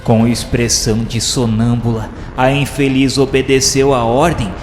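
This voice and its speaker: A man delivers dramatic radio novela narration in a solemn, theatrical way. His mid-pitched voice rings in a long, echoing reverb, with music clearly playing behind him. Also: little pitch movement, a little slow. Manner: solemn, theatrical, literary phrasing. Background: clear background music.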